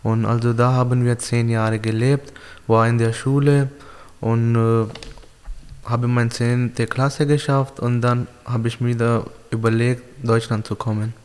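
A man's voice: mid-range voice, flat delivery, a little mellow, smooth, in a large hall. Young man, hesitant learner's German. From Pakistan. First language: Urdu. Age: young adult. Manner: simple learner's German, many pauses and fillers. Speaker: interviewee. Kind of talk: halting interview answers.

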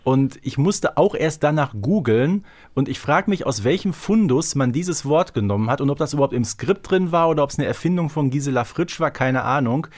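A man's voice: on the high side, lively intonation, moderate pace, hardly any pauses, darkish tone. A man co-hosting a podcast in casual, conversational chat. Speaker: podcast co-host.

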